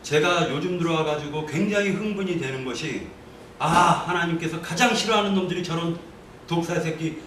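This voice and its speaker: A man delivers a heated church testimony in a fairly high voice, full of condemnation. He sounds far from the mic in a very echoey room. A faint noise sits underneath. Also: fairly quick, a bit bright. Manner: vehement, denouncing, rising to anger. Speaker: church member giving testimony. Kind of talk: impassioned testimony.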